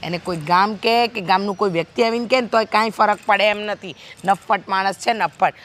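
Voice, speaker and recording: An actress with a Kathiyawadi accent playing a sharp-tongued village housewife who argues and complains in an exasperated way. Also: female voice, medium pitch, brisk, lightly acted. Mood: complaining. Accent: Kathiyawadi Gujarati. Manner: exasperated, nagging. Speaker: wife and sister-in-law. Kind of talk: village family drama acting.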